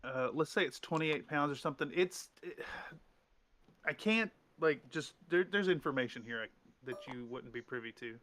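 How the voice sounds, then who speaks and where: A man's voice: fairly high pitch, expressive, normal speed, fairly bright tone, a little hiss or hum. A man running a tabletop game as game master, rambling with restarts and fillers.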